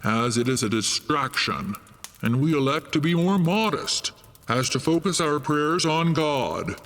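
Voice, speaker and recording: A man plays a solemn church letter writer in a fairytale. His formal, measured voice rings with long reverb and moves slowly. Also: fairly high pitch, animated, a bit bright. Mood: solemn admonishing.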